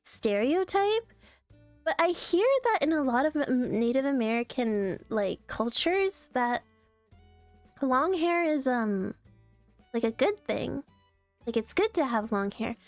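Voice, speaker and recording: High-voiced playful young woman streamer. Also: slow, dry recording, soft background music. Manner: playful, laughs often, jumpy and animated. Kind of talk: casual livestream chat, reacting to posts.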